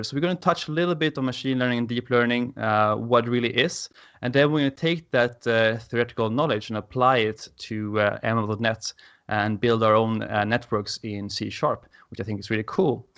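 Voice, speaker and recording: A man's voice: mid-range voice, a little fast, fairly bright tone, clear, resonant tone. Upbeat Swedish-accented man presenting. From Sweden. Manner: enthusiastic, frequent "uh" fillers. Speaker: conference speaker. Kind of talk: technical presentation.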